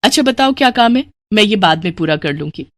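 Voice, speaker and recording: A woman voicing a lively, cheerful young daughter in a storybook tale, bubbly and coaxing. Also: on the high side, normal speed, pitched above the performer's own voice. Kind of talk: storybook voice acting.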